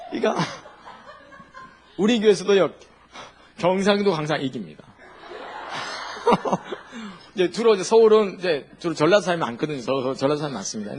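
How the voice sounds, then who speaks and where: A male pastor preaching a sermon in an animated, humorous way, full of rhetorical questions. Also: fairly high pitch, slight background noise.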